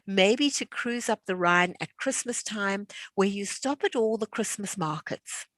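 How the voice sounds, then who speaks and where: Speaking at a measured pace, a woman in her sixties hosts an online class in a relaxed, chatty way, laughing often. Her medium-pitched voice is fairly bright, and the recording has no room sound.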